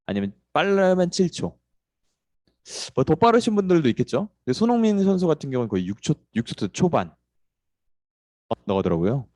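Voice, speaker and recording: A man's voice: fairly high pitch, sing-song, fairly quick, long pauses, a little mellow, no echo, studio quality. A man hosting an online morning session, talking in a chatty way with many fillers before he introduces the speaker. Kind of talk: casual introductory talk.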